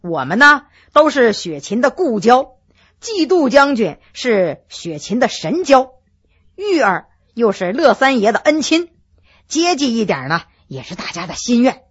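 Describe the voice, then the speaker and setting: A polite official calming a shy pair with smooth, courteous words, as a woman storyteller voices him. The voice sits well below the reader's own and stays quiet and husky. He sounds measured and gracious. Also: a little high, highs cut off, exaggerated voice. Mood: soothing. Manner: soothing, courteous. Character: tactful male official, smooth and conciliatory.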